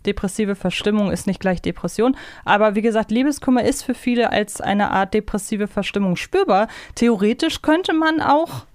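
A woman's voice: medium pitch, expressive, normal speed, few pauses, a little mellow, no room sound, clean studio sound. A woman co-hosting a podcast in casual chat, musing aloud and asking questions in a talkative way. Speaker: podcast co-host. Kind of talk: casual chat about an audio drama series.

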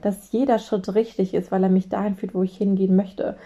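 A woman in her late twenties, a business mentor, talking reflectively to her audience and acting out her own anxious inner voice with sudden high exclamations. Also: level tone, brisk, dark tone, lo-fi sound. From Germany. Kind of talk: reflective solo talk.

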